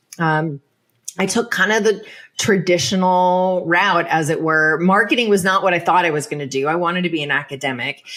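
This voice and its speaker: A woman talks at a fairly quick pace in a normal speaking voice. Her pitch is fairly low, with ordinary variation. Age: 50s. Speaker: personal branding expert and entrepreneur. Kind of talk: podcast interview.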